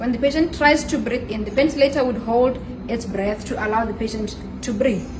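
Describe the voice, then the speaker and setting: A woman talks at a fairly quick pace in a fairly high pitch with ordinary pitch variation. Noticeable background noise runs beneath her. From Botswana. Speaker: clinical technologist. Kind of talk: tutorial. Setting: hospital. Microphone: camera far.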